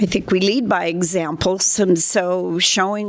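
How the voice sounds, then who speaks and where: A woman speaks at a very slow pace. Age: 70s. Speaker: fitness club client. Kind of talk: group discussion. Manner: halting.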